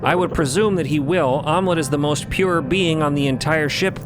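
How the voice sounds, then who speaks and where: A man playing a literal-minded crew member in audio fiction, speaking in a formal deadpan. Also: fairly high pitch, normal speed, close to an everyday voice. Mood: solemn, matter-of-fact. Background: loud music.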